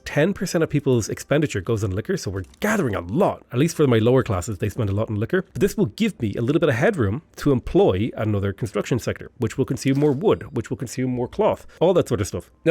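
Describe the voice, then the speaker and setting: A man's voice: mid-range voice, darkish tone, slightly rough, no echo. A man with a stuffy, slightly unwell voice, chatting casually and explaining a strategy game step by step, thinking aloud as he goes. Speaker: game tutorial host. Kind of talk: casual gameplay commentary.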